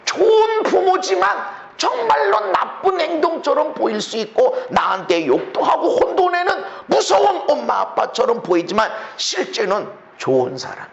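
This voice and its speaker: A Korean man preaching from the pulpit of his church, his voice high and gravelly with fry. He keeps asking his congregation rhetorical questions, then drops to quiet asides before pressing the point again. The sound is dull and lo-fi, with the roomy echo of the church hall around him. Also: normal speed. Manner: animated, shifts between loud emphatic lines and low quiet asides. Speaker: pastor. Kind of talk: sermon. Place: church sanctuary.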